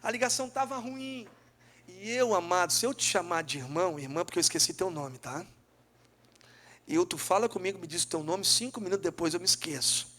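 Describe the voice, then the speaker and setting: High pitched gaúcho guy, middle aged, pouring out his faith story to a dinner crowd, talks right at them. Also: expressive, brisk, a bit bright. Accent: Gaúcho Brazilian Portuguese. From Rio Grande do Sul, Brazil. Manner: fervent, acts out dialogue, addresses listeners directly. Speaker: businessman and pastor giving testimony. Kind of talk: emotional spoken testimony. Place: restaurant dinner event.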